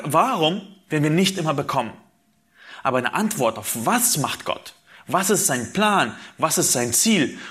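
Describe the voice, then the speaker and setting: A man's voice: on the high side, fairly bright tone. A man preaching a sermon, asking rhetorical questions and reading Bible passages aloud. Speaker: pastor.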